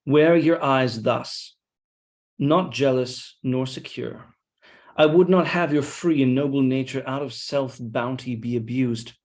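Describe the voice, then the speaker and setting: A man reading a scheming, deferential soldier in Shakespeare, with measured, insinuating, mock-humble delivery. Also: mid-range voice, a little mellow, natural voice. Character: scheming deferential soldier feeding his lord's suspicion. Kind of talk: Shakespeare read-along.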